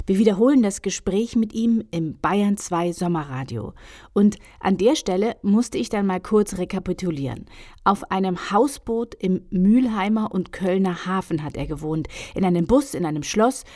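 A woman radio host reading a scripted introduction in a calm, measured way. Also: medium pitch, dry recording, clean studio sound.

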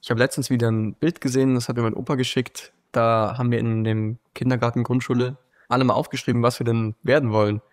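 A nineteen-year-old man talking casually in an interview, relaxed and searching for words. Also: mid-range voice, fast, no echo, clean studio sound. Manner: relaxed, searching, many fillers. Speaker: interviewee, new student.

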